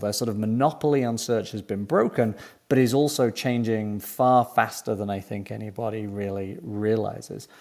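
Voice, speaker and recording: A man at a medium pitch and moderate pace. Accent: British. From Britain. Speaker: marketing company CEO. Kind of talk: explainer video.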